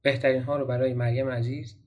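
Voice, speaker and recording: A man reading a folk tale aloud for a podcast, in a gentle storytelling way that turns to ask the listeners questions. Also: mid-range voice, little pitch movement. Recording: dull, slightly noisy recording.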